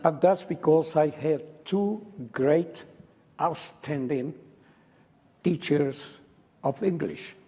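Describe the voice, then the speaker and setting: A man, telling stories on a panel in a slow, joking way and laughing often. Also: fairly high pitch, mellow, husky. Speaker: panel speaker. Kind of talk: storytelling on a panel. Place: lecture hall. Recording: reverberant lecture hall.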